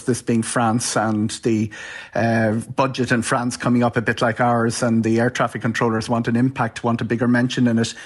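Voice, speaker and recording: A man with an Irish accent giving an explanatory live radio news interview as a travel commentator, informal and somewhat stop-start. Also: medium pitch.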